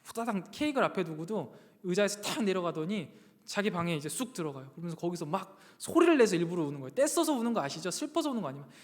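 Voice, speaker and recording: Pastor guy in his 30s, kinda high voice, telling a family story at a youth sermon, big churchy echo. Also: big pitch swings, fast. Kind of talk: sermon to young adults. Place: church sanctuary. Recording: long reverb of a church hall.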